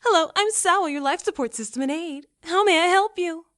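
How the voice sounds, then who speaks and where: Woman doing a perky ship computer lady, high voice, super polite and helpful, audio drama. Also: very noisy. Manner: formal, helpful, measured. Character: polite, chirpy female life-support AI assistant.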